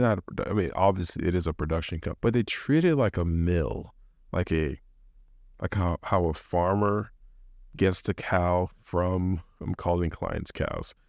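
A man's voice: deep voice, darkish tone, dry recording, clean studio sound. A man in his thirties hosting a solo podcast, talking casually and rambling with many restarts and fillers. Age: 30s. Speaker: podcast host.

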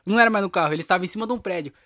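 A man's voice: high-pitched, racing, sharp tone, no room sound, studio quality. Young man rambling about a dream. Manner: rambling, slangy, laughs at himself. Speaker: podcast host. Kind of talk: casual solo podcast storytelling.

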